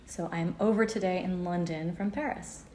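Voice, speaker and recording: A woman's voice: fairly low pitch, fairly even intonation, normal speed, a little mellow. An American woman who works in analyst relations gives effusive, polished answers in a conference interview.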